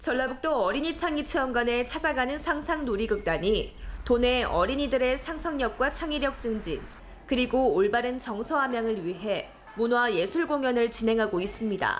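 A woman's high voice with lively intonation at a moderate pace, music in the background. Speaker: TV news reporter. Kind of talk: TV news reporter voice-over.

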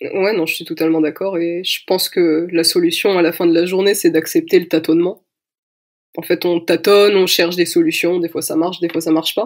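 Speaking at a fairly quick pace, a woman keeps her intonation monotone and flat. Her pitch is fairly low. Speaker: podcast host. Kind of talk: interview.

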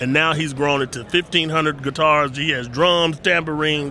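A man with a Texan accent speaks at a fairly quick pace. The sound is dry with no echo, and there is light background noise. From Fort Worth, Texas. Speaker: actor. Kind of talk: interview answer. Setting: radio broadcast. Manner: casual, enthusiastic. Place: hall. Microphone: studio mic.

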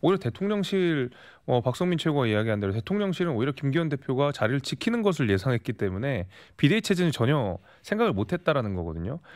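A man talks at a very fast pace, his fairly high voice making very wide pitch swings. The background is quiet. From South Korea. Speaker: party politician. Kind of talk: political debate show. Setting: studio. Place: studio. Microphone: studio mic.

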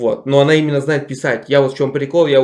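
Over a quiet background, a man talks at a very fast pace. His pitch is fairly high. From Chernivtsi region, western Ukraine (Carpathian); Ukraine. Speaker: prank video blogger. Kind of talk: prank video chat. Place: home room. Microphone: video call.

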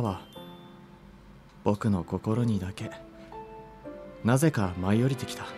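A man speaks at a moderate speed while clear music sounds behind him. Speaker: voice actor. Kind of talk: bedtime short story reading. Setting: studio. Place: studio.

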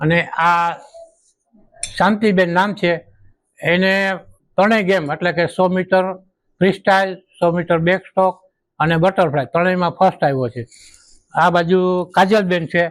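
A man talks at a high pitch with fairly even intonation. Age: 70s. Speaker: veteran swimmer and swimming coach. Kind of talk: interview.

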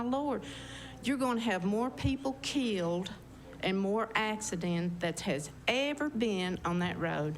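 A woman with an East Tennessee accent, lively in intonation, at a fairly slow pace. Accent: Southern US (East Tennessee). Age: 70s. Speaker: resident speaking at public hearing. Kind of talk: public comment at county meeting. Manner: animated.

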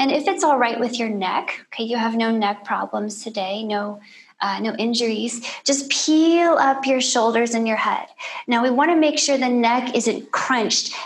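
The woman keeps a moderate tempo, her pitch moving a normal amount. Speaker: yoga instructor. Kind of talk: guided exercise instruction. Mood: calm, encouraging. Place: home room.

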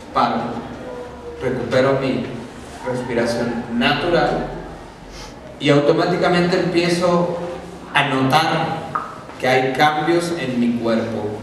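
A man speaks at a very slow pace with long, frequent pauses and ordinary pitch variation, over light background noise and strong room echo. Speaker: workshop facilitator. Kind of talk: guided meditation talk to an audience. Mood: calm, guiding. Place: hall.

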